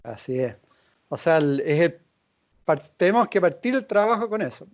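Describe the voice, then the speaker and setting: A man hosting a reflective conversation, calm and affirming, with small hesitations as he builds on his guest's points. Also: on the high side, moderate pace, highs cut off. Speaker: host.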